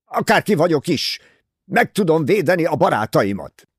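A man reading an audiobook, voicing a rude, hot-headed young man who is scornful and breaks into shouting. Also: mid-range voice, very animated, creaky, no room sound, clean studio sound. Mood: furious.

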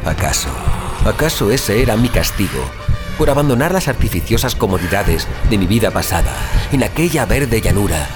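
An actor playing an anguished injured father waking from a coma, in a halting, brooding monologue for audio fiction. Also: on the low side, very animated, over music. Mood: anguished, disoriented. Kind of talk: dramatic first-person audio fiction monologue.

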